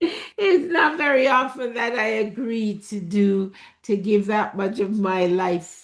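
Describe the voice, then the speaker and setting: Speaking at a very slow pace, a woman uses a fairly high pitch and lively intonation. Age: 60s. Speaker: mushroom farming presenter. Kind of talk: webinar presentation closing remarks.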